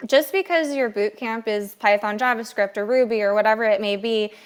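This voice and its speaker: A bubbly woman in her thirties talks casually on a podcast. Her voice sits fairly high. She rambles warmly and laughs easily. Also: a little fast, clean tone. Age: 30s. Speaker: podcast co-host. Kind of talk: casual chat.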